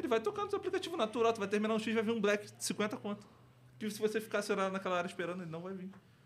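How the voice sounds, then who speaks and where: This man's voice sits high and moves with ordinary pitch variation at a very fast pace. Background noise is noticeable. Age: 20s. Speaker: ride-hailing driver. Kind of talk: casual chat. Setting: studio.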